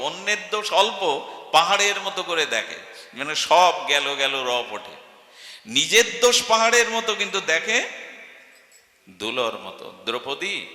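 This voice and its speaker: A man's voice: on the high side, sharp tone. A man giving a devotional sermon, telling stories and asking rhetorical questions. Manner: storytelling, asks rhetorical questions. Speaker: preacher. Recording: echoey hall.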